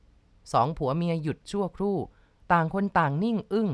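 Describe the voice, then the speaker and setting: Low-voiced woman telling a ghost story. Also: no echo. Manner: measured, dramatic storytelling.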